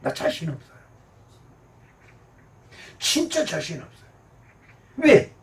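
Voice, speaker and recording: A male pastor giving a sermon, animated, swinging from shouts down to quiet murmurs. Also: on the high side, takes it slowly, far from the mic.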